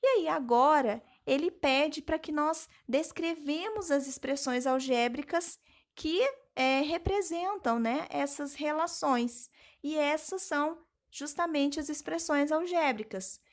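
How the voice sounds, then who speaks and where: A young woman with a high voice walks students through a math lesson. She speaks slowly and patiently, explaining each step. She talks to the class directly and keeps a friendly teaching tone. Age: young adult. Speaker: teacher intern.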